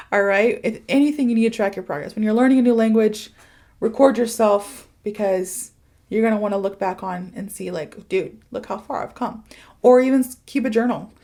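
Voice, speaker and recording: Woman doing a casual motivational podcast, medium pitch, chatty n informal, talks like a teacher giving tips. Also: creaky, darkish tone. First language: English. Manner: chatty, informal, emphatic with giggly asides. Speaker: podcast host and English teacher.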